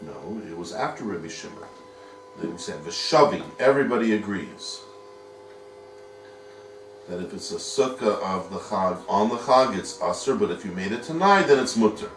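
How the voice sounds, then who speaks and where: A man's voice: lowish voice, animated, moderate pace, slight background noise. A man teaching a Talmud study lesson, patiently explaining step by step and posing rhetorical questions. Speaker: yeshiva teacher. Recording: echoey room, mic at a distance.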